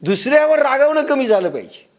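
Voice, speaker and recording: A Marathi-accented man speaks fast in a sing-song manner while giving a devotional discourse. As a spiritual storyteller, he performs the dialogue in low, muttering voices.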